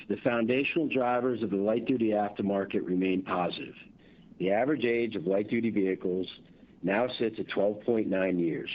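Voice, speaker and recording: A man reads prepared company results on an earnings call in a formal, measured corporate delivery. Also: on the low side. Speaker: company executive presenting quarterly results. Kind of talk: scripted earnings-call presentation. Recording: dull, band-limited conference call audio.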